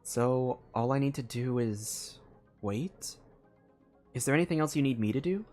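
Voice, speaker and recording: A man's voice: mid-range voice, expressive, unhurried, dark tone, faint music behind. A young man giving casual live commentary on a game, rambling and thinking aloud with lots of fillers. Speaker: game streamer.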